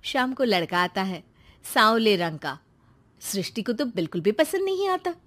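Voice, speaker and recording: A woman narrating a cartoon story in a plain, steady storytelling voice. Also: medium pitch, normal speed.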